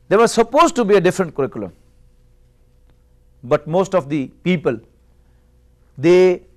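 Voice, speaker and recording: A middle-aged man whose native tongue is Urdu explains language structure in a steady, patient teaching voice that sits noticeably high. He often pauses to pose rhetorical questions to his students. He is recorded close on a lapel mic in a small classroom. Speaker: Arabic teacher. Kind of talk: classroom lecture.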